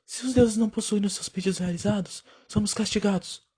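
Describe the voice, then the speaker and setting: A woman acting a husky, mellow older tribal matriarch. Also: medium pitch, fairly even intonation, a little fast, natural voice. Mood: solemn, insistent. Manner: solemn, imperious. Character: stern older female tribal leader, devout and fearful. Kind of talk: audio drama acting.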